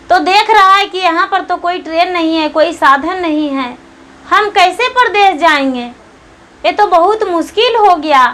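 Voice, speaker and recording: A woman tells a Shiva devotional story at an unhurried pace. Her voice is very high and bright, and she often says phrases twice in an earnest way. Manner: repetitive, earnest retelling with repeated phrases.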